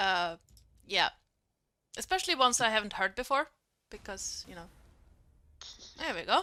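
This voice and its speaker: On a very clean recording with a silent background, a bright, sharp voice with a German accent moves at a moderate pace through very wide pitch swings, big swings in loudness, and long, frequent pauses. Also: woman, fairly high pitch for a woman. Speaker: game master. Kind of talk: casual chat.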